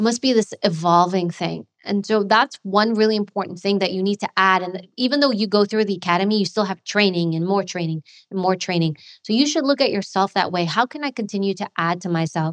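A woman in a New York accent speaks at a fairly quick pace, with medium pitch and ordinary pitch variation. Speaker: former Secret Service agent and speaker. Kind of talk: interview conversation.

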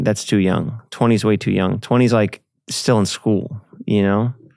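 A man speaks at a fairly slow pace in a fairly low pitch, with an unremarkable speaking voice. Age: 30s. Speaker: podcaster and barbershop show host. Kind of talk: casual chat.

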